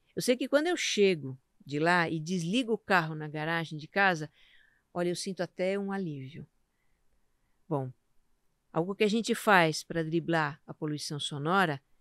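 A woman speaks at a moderate pace in a fairly low pitch with ordinary pitch variation, big swings in loudness and long, frequent pauses. The recording is very clean with a silent background, and the sound is dry and close with no echo. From Brazil, São Paulo city. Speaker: podcast host on self-knowledge and mental health. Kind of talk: solo podcast monologue, reflective talk. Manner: calm, gentle.

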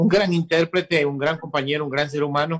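Fairly high in pitch, a man speaks at a moderate pace with ordinary pitch variation. The background is quiet. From Ecuador, Loja; Ecuador. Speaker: singer-songwriter; interviewee. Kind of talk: interview. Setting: at home, remote. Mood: reflective, warm, grateful. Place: home room. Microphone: video call.

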